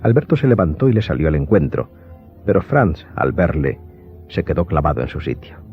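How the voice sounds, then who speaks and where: A man's voice: very deep voice, sing-song, brisk. A man narrating an audiobook drama in a scripted, suspenseful storytelling style. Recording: dull recording under clear music.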